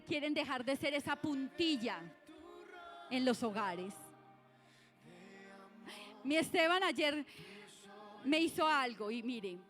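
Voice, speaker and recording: A middle-aged woman with a Colombian Spanish accent preaches to her church in a high voice. She exhorts the congregation and keeps firing questions at them, with faint music under her. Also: a bit bright. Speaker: pastor. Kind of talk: sermon.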